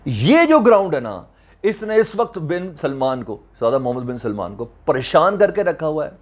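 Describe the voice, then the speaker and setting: A man with a Pakistani accent and a slightly high voice gives very animated current affairs commentary at normal speed as host of a news commentary video channel. He stresses points emphatically, repeats phrases, asks rhetorical questions, and slips English words into his speech.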